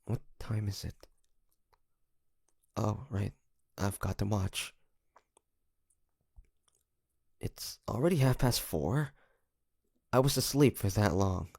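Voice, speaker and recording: A man playing an earnest, tender young demon hunter in love, speaking softly and haltingly in an intimate romantic audio drama. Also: fairly low pitch, vocal fry, breathy edge, no echo, clean studio sound, heavily acted. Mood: resolute, sincere. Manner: hesitant, halting, soft-spoken with sighs.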